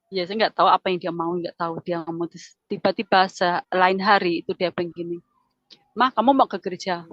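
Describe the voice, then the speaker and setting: A woman's voice: fairly low pitch, level tone, a little fast, no room sound. A middle-aged woman giving an emotional personal testimony in casual storytelling, repeating herself and acting out dialogue. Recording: dull lo-fi sound.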